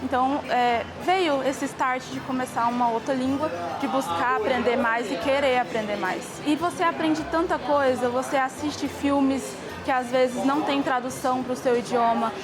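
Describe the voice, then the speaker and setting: A woman's voice: sits high, moderate pace, few pauses, a crowd in the background. A young woman speaking earnestly and enthusiastically in an interview. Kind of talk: casual interview testimony. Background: background music.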